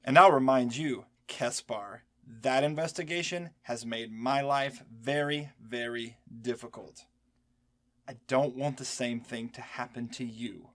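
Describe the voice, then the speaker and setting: A man's voice: medium pitch, a little slow, a bit bright, natural voice. A man playing a weary, stern but protective senior agent in an audio drama, speaking in a cautioning way. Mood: weary, concerned.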